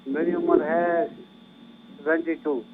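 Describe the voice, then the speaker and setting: A muffled, noisy phone line carries the voice of a man in his seventies. His pitch is fairly high for a man. He is a viewer calling in, speaking in brief, plain sentences. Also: little pitch movement, slow pace. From Delhi, India. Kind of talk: brief plain caller questions.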